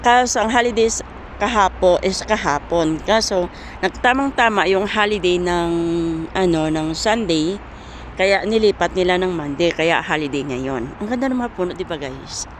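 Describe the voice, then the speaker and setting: A woman's voice: lowish voice, moderate pace. A woman vlogging outdoors on her phone, teasing and playfully scolding her pet, laughing often. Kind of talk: casual vlog talking to a pet. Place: outdoors among trees in winter. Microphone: phone camera. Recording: noisy outdoor phone recording.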